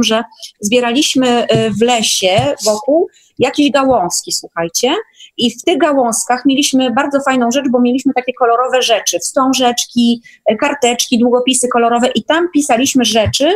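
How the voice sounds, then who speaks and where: Higher-pitched chatty woman. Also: moderate pace. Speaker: guest. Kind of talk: casual storytelling in an online meeting.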